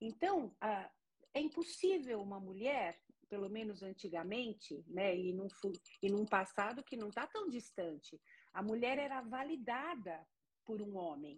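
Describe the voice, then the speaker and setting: The speaker goes at a fairly slow pace with lively intonation and a somewhat breathy sound. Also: woman, fairly high pitch for a woman. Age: 60s. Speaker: psychologist and author. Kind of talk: live-streamed interview. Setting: Instagram live stream.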